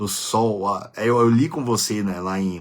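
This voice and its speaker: An animated man with a fairly low pitch. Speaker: Bible teacher. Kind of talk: Bible study livestream.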